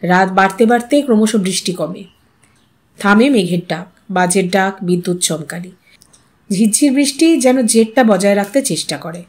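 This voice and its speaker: A woman storyteller narrating literary fiction in an expressive style. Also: medium pitch, moderate pace, husky.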